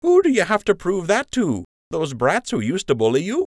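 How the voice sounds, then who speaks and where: A man's voice: sits high, huge pitch swings, normal speed, dry recording, clean studio sound, voice pushed up. A man voicing a playful, smirking young male rabbit who teases his friend in an audiobook. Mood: teasing. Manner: wry, smirking, playful teasing. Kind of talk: audiobook character voice.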